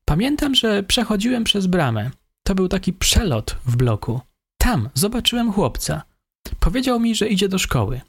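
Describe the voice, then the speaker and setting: Mężczyzna czytający audiobook, grający cichego, uniżonego mordercę na przesłuchaniu, który mówi niepewnie i z wahaniem. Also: male voice, high voice, big pitch swings, moderate pace, husky, no echo, clean studio sound, voice pushed up, exaggerated voice. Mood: ashamed, hesitant. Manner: servile, hesitant, mumbling. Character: meek, evasive male killer under questioning.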